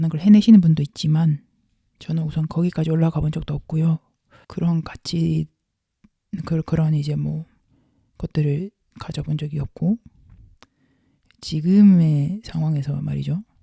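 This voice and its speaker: A somewhat breathy woman with a very deep, low pitch and a dark, mellow tone speaks at a moderate pace with fairly even intonation and long, frequent pauses, in a dry, close sound with no echo. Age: 30s. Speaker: cancer survivor. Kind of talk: casual talk to camera.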